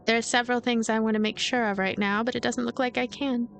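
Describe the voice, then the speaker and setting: A woman's voice: fairly high pitch, steady tone, quick pace, vocal fry. A woman reading a game's story expressively as a let's play host, with casual commentary. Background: game music.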